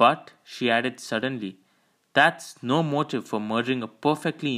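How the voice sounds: The voice reads naturally, its pitch shifting by an ordinary amount. Everything behind it stays quiet.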